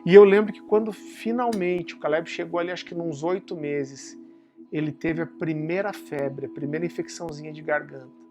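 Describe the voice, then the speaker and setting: A man with a Brazilian Portuguese accent preaching a sermon, telling warm family stories that he turns to a solemn point, often calling his listeners brother. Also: normal speed, over music. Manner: drops low and soft for solemn points. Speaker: pastor.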